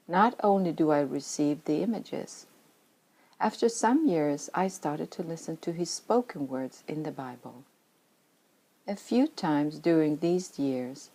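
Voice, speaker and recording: A middle-aged woman from Sweden, a native Swedish speaker with a Swedish accent, reads her own spiritual memoir in a deep, warm voice. She sounds earnest and reflective, sometimes sinking to a whisper, and the recording quality is low.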